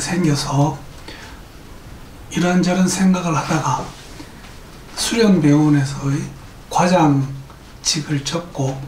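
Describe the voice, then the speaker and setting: Speaking at a very slow pace, a man has a fairly high pitch. Noticeable background noise and audible room echo fill the recording. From South Korea, Daegu. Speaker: ENT doctor and scuba diving instructor. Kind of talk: self-introduction monologue.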